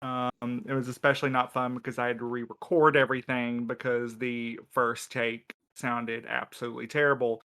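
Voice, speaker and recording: A man's voice: medium pitch, level tone, normal speed, few pauses, pushed and bright. A man chatting casually on a podcast panel in a dry, wry way. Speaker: podcast cast member, writer and editor.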